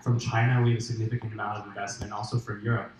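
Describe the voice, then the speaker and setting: A man's voice: lowish voice, flat delivery, racing. A man speaking confidently on a conference panel. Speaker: panelist, company CEO. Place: large conference hall. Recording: echoey hall.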